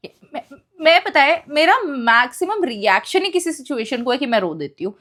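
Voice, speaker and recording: A woman's voice: sits high, moderate pace. Young woman's emotional storytime. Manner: mixes English phrases into her speech; emotional, expressive retelling. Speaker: vlogger telling a personal story. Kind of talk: casual storytime monologue.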